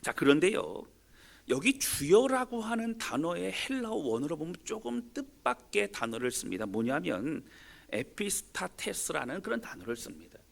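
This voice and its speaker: Male pastor, gravelly and animated, swings loud and soft while preaching. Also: moderate pace. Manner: preaching with dramatic swings in pitch and volume; leads congregation in reading scripture aloud. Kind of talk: sermon.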